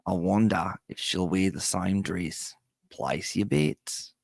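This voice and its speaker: Low-voiced man with whistling S's. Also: fairly even intonation, slow pace, gravelly, a little mellow, no room sound. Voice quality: whistling s sounds. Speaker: livestream host. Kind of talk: casual livestream chat, reading out viewer donations.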